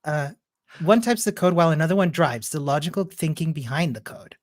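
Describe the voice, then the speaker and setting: A man from Chile co-hosting a casual coding lesson, with warm, encouraging remarks and quick affirmations. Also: on the high side, animated. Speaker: bootcamp co-host.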